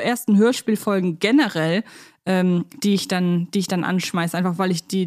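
A woman's voice: medium pitch, a little mellow. A woman hosting a podcast in a casual, conversational chat style. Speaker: podcast host.

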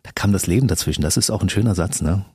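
A man's voice: low-pitched, racing, a little mellow, breathy edge, no room sound. A man hosting a radio talk show who interviews his guest in a chatty, enthusiastic way. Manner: chatty and enthusiastic, often laughing. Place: radio studio.

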